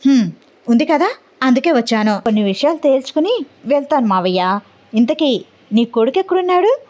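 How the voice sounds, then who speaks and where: A fiery young woman with a bold, confrontational edge, as a female storyteller puts her on. Her voice sits fairly high. The audio-story recording sounds slightly muffled. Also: lively intonation, a little fast, darkish tone. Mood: angry, defiant.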